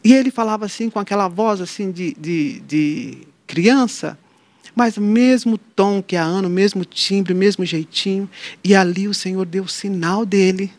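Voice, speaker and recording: A woman's voice: mid-range voice, moderate pace, dry recording. A middle-aged woman talks about her family and her faith as an interview guest, and she gives each person in her story a voice of their own. The recording is dry and close, with no room sound around her. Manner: lively storyteller who acts out quoted dialogue. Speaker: interview guest, mother of an atypical child. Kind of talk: personal faith testimony in conversation.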